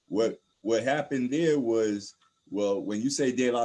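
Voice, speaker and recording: A man talks with a New York accent at a medium pitch. His pace is moderate, and his pitch variation is ordinary. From New York, Staten Island. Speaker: rapper. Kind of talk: casual chat. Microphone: mic sounds good.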